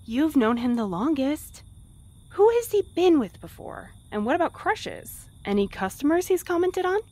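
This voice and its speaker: A woman acting in a fiction podcast as a caring, romantic courier who speaks expressively and banters playfully. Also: high-pitched. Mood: curious. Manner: expressive, solicitous, quick to banter.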